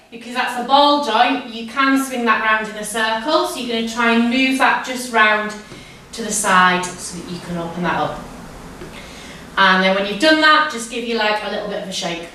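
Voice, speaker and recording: A woman drama teacher guiding a physical warm-up step by step, with simple, repeated, encouraging instructions. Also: on the high side, a little hiss or hum. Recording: echoey room, distant microphone.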